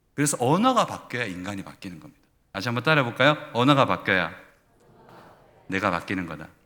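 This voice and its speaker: A man speaks in a Gyeongsang accent at medium pitch, with vocal fry and a bright, sharp tone. His pitch swings very widely. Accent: Gimcheon (Gyeongsang) dialect. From South Korea, Gimcheon (North Gyeongsang). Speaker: pastor. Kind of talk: sermon. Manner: speeds up when excited.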